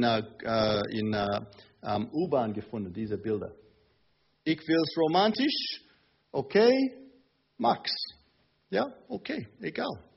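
A man preaching a sermon in a church, slow and emphatic with hesitant fillers. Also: a little high, slight background noise. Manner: hesitant fillers between phrases. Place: church in Munich. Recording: dull lo-fi sermon recording.

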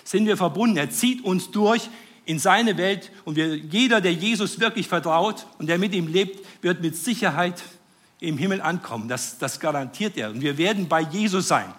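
A man preaching a sermon, earnest and fervent, rising to joyful excitement with hesitant restarts. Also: high voice, moderate pace. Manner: earnest, rises to joyful fervor.

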